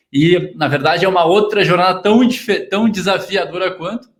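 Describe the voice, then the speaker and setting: The speaker has a southern Brazilian accent and ordinary pitch variation. The pace is fairly quick. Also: man. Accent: gaúcho. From southern Brazil (Rio Grande do Sul, Porto Alegre). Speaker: entrepreneur and investor. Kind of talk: interview conversation.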